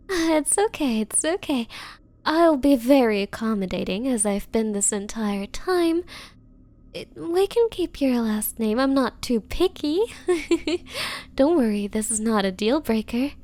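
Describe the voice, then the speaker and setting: Girl voice actor doing a yandere bride asmr thing, high voice, slow n coy, sweet but menacing. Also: expressive, darkish tone. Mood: coaxing, accommodating. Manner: coy, cooing, hesitant, falsely considerate. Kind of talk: ASMR roleplay, intimate monologue to listener.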